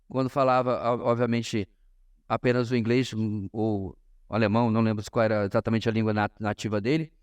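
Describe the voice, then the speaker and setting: A man with a Brazilian Portuguese accent teaches a church class as a pastor, in an informal sermon style, emphatic and often pausing to address his listeners directly. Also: mid-range voice, a little mellow, smooth. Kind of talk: informal sermon-like lesson to a congregation.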